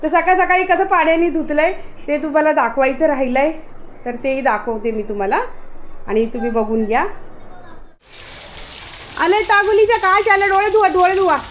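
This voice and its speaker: A woman's voice: sits high, expressive, fairly quick, a little hiss or hum. A woman chatting casually in a home vlog, coaxing her dog and calling to people nearby. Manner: coaxing, calls out to pets and kids. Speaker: vlogger.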